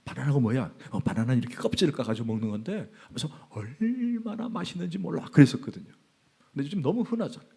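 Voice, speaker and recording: Middle-aged guy preaching, kinda husky, tells stories and acts out the lines. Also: a little high, quick pace. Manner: animated storytelling, acting out quoted dialogue. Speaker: pastor. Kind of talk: sermon.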